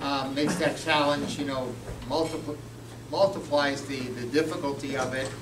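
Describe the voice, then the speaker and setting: Loud background noise runs under speech at a moderate pace. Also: man. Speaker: keynote speaker, attorney. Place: hall.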